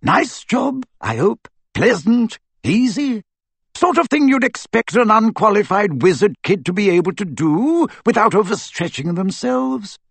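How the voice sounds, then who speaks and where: Storybook old wizard as a man acts him out: cynical, gruff, husky, pitched up and scornful. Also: very animated, unhurried, a bit bright, no echo, heavily acted. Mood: harsh, urgent. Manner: rough, terse, scornful.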